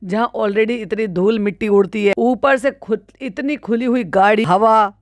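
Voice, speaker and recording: A woman reacts to a video with teasing, sarcastic commentary. Her voice sits fairly high and sounds dry and close, with no room around it. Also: a little slow, no echo. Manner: teasing and sarcastic, with frequent laughs. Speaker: reaction vlogger.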